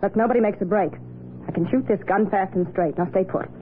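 An actor playing a cornered, jittery, threatening gangster boss in a 1940s radio crime drama. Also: male voice, high-pitched, fast, close to an everyday voice. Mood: menacing. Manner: tense, threatening. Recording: noisy, tinny old radio recording.

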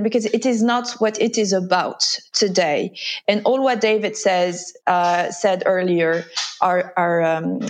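Academic woman. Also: medium pitch. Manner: academic, formal phrasing. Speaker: panelist. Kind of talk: analytical panel discussion.

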